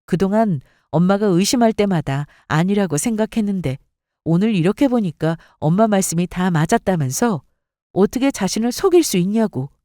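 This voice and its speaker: Lively expressive woman narrating a story. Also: medium pitch, moderate pace, no room sound, clean studio sound. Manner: expressive first-person storytelling.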